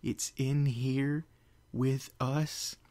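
A man's voice: level tone, drawn-out words, dark tone, dry recording. A man doing a timid, jumpy young pony mare. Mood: fearful. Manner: shaky and high.

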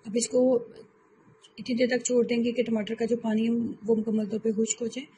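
A woman hosting a home cooking channel, calmly explaining recipe steps in a voice-over and often repeating herself. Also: fairly high pitch, fairly quick, a little hiss or hum, poor audio.

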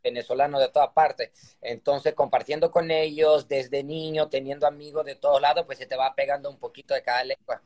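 A man's voice: mid-range voice, fairly even intonation, brisk, darkish tone. A man in his thirties with a Brazilian Portuguese accent, chatting cheerfully as a guest on a phone video call from his room at home. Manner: cheerful, chatty, keeps asking "me entiendes?". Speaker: guest, circus performer. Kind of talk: casual live-stream interview.

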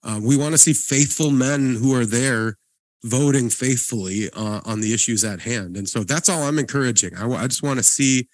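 Earnest podcast guy, mid pitch, dry close mic, keeps restarting sentences. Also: moderate pace, no room sound. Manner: earnest, encouraging, frequent restarts. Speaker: podcast co-host, guest pastor. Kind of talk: casual podcast conversation.

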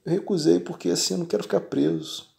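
Fairly high-pitched, fast and creaky, this man's voice carries a Brazilian Portuguese accent. He is a shopkeeper who hosts a tech channel, talking casually straight to viewers with animated emphasis and frequent "entendeu?" checks that they understand.

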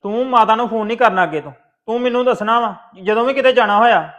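An actor playing a stern elder brother who scolds his sister loudly. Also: extremely high pitch, quick pace, echoey room. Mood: angry scolding. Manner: scolding, interrogating, loud. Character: stern angry elder brother, young adult man.

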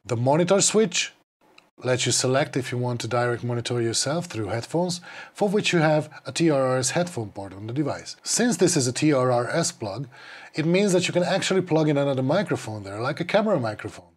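A man's voice: mid-range voice, animated, fairly quick, breathy edge. A man in his forties giving a scripted, matter-of-fact review of a wireless microphone, recorded on a clip-on mic in a small dim studio. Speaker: podcast gear reviewer.

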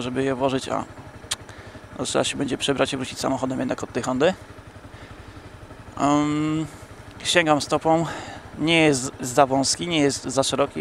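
Chatty young man riding a motorbike. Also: a little high. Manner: relaxed, chatty, addresses viewers directly, drawn-out fillers. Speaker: motovlogger. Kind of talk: casual vlog talk while riding. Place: outdoors on a motorcycle in city traffic. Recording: helmet mic with wind and traffic noise.

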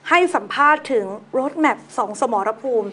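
A woman hosting a news talk show, reading items and chatting about them in a relaxed, conversational way. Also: high voice, unhurried, husky.

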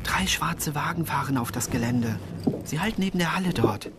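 An actor playing an eager but skeptical sidekick to a detective in a German crime audio drama. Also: male voice, fairly high pitch, expressive, moderate pace, heavy background noise, natural voice. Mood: alert. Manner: questioning, insistent.

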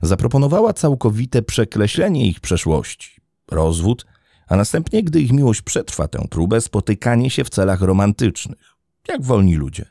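Deep, gravelly man narrating true crime. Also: moderate pace, dry recording, clean studio sound. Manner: dramatic, expressive storytelling read.

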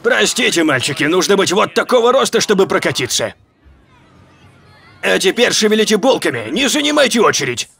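A man's voice: sits high, big pitch swings, brisk, creaky, fairly bright tone, a faint crowd, slight background noise, exaggerated voice. A man voicing a brusque, officious amusement ride attendant in a cartoon dub. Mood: bossy. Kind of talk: dubbed cartoon acting.

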